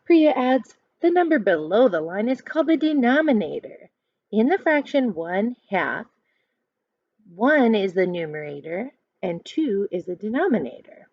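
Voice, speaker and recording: A woman in her thirties reading a children's book aloud like a teacher, expressive and instructive, pausing to explain. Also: high voice, no echo. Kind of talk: read-aloud storytelling with explanations. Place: small furnished room indoors at home. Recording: dull lo-fi webcam sound.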